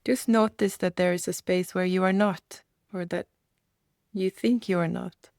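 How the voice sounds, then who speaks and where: A woman leading a guided meditation, speaking gently in soft invitations with reflective pauses. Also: fairly low pitch, fairly even intonation, creaky, no room sound, studio quality.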